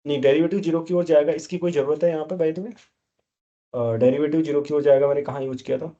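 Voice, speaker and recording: A man talks fast in a slightly high, steady, mellow voice, and the recording has its highs cut off. He is lecturing a class on math, scolding the students and constantly quizzing them.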